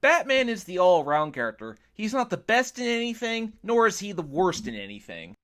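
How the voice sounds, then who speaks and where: High-pitched man narrating a game review. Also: sing-song, fairly quick, a bit bright, faint music behind. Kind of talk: scripted video review narration.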